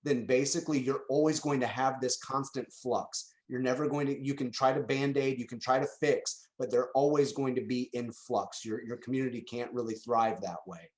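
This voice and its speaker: A man's voice: mid-range voice, fairly even intonation, moderate pace, few pauses, low-quality recording. A man guest expert on an online panel, speaking in a friendly, emphatic way. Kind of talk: panel discussion. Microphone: video call.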